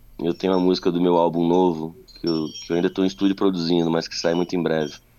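A man's very deep, low voice holds a monotone, flat intonation. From Brazil, Espírito Santo (Vitória). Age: 30s. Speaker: musician. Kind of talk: interview. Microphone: occasional line dropouts.

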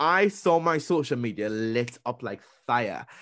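A man with a medium pitch speaks in an animated tone with very wide pitch swings over a quiet background. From Trinidad and Tobago. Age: 30s. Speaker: radio presenter. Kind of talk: interview.

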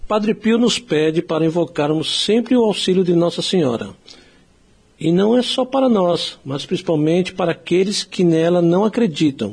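This man has a high pitch and lively intonation. He keeps his loudness very even and speaks at a moderate pace. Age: 50s. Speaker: geography teacher and web radio owner. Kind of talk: reading aloud.

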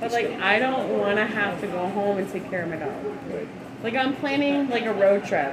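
A woman speaks with lively intonation over noticeable background noise, with audible room echo. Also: medium pitch for a woman, moderate pace. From Las Vegas, US. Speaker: interviewee sharing pet stories. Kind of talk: casual chat.

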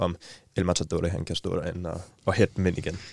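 A man talks with a very deep, low pitch. The background is silent, and the recording very clean. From Denmark, Copenhagen (Østerbro). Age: 20s. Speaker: football fan guest, waiter. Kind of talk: casual chat. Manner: hesitant, many fillers.

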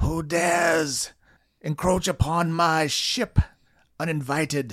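A man shouting in a put-on character voice, fairly high in pitch and at a fairly slow pace.

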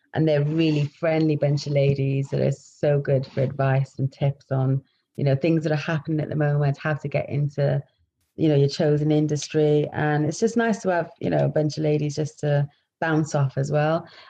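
With a Cardiff accent, a somewhat breathy woman speaks at a very deep, low pitch with a dark, mellow tone, fairly even intonation and very even loudness. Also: moderate pace. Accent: Cardiff Welsh English. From Wales. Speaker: DJ. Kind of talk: casual interview.

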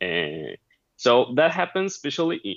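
A man is speaking. He talks with a Mexican accent. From Mexico. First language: Spanish. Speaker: Spanish teacher. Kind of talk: interview.

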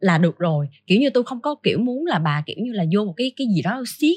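A somewhat breathy woman, fairly high in pitch, very fast with hardly any pauses and very wide pitch swings, in a dry, close sound with no echo. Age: 20s. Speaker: fitness coach and podcast host. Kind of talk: casual podcast chat.

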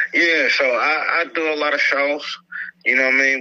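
A man's voice with noticeable background noise. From Indianapolis, Indiana. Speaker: rapper. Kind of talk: phone interview. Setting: phone call.

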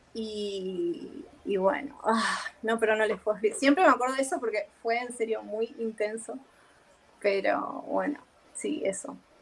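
Noticeable background noise sits behind the speech. The delivery is fairly slow, with lively intonation. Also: woman, fairly high pitch for a woman. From Buenos Aires and Paraguay (moved to Asunción at 11). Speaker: Paraguayan harp performer. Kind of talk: casual interview.

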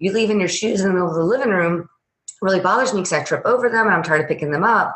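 Here is a woman with a Southern US accent. She speaks at a medium pitch. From US South. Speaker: branding expert and designer. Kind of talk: casual interview.

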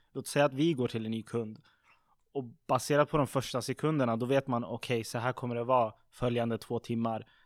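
A man's medium-pitched voice, monotone and flat, in a dry, close recording with no echo. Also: very clean recording, silent background. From Sweden, Södertälje. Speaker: entrepreneur. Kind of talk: casual chat.

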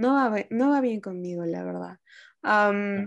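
An ordinary speaking voice from a woman, at a fairly slow pace, over a quiet background. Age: 20s. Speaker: podcast co-host. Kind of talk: casual chat. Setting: video call.

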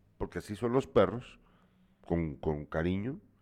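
Very wide pitch swings mark this man's speech. The recording is very clean, with a silent background. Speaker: news talk show host. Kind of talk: news commentary show.

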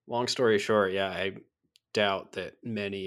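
Recorded very cleanly against a silent background, a man with a fairly low voice speaks at a moderate pace. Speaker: guest co-commenting on movie. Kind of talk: casual chat about a movie.

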